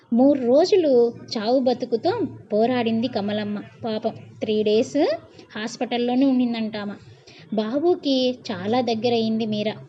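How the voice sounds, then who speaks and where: A woman narrating a bedtime story in a colloquial way. She pauses often to re-explain lines in casual asides. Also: a little high, dull audio. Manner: reads, then retells and explains in casual asides.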